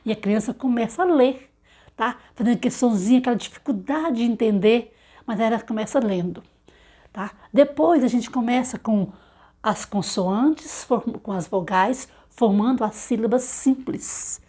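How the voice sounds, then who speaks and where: A woman's voice: a little high, dark tone. Woman teacher, sounding out syllables. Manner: explains with rhetorical questions and slow sounded-out syllables. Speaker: literacy teacher. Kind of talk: instructional talk to parents.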